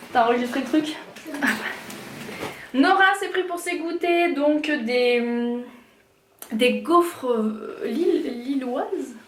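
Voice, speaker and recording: A woman's voice: high-pitched, distant mic. A woman chatting casually in a haul vlog, who loses track and restarts her sentences. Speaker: vlogger showing a shopping haul. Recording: roomy echo, faint noise.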